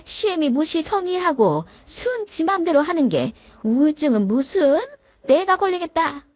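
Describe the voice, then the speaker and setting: A woman's voice: sits high, sing-song, measured pace, darkish tone, no room sound, pitched above the performer's own voice. A woman voicing a domineering older mother-in-law who nags and threatens in a storybook tale. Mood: furious.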